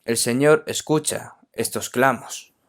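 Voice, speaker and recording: A man's voice: mid-range voice, slow pace. A man from Korea preaching a sermon emphatically, often checking in with his listeners.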